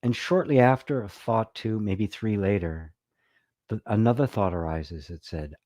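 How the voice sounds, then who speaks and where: A middle-aged man, a spiritual teacher, giving an unhurried, reflective talk and answering viewers' comments. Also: fairly low pitch, a little mellow, no echo. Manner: unhurried, reflective, often ending with "right?"; reads viewer comments aloud. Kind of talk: live-streamed satsang talk.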